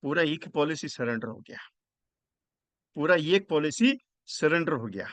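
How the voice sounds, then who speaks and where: A man's voice: a little high, animated, a little slow, no room sound. A man running an online training session for insurance agents, working through figures step by step and repeating phrases for emphasis. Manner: mixes English into explanation, repeats phrases for emphasis; works through numbers step by step, asking the audience questions.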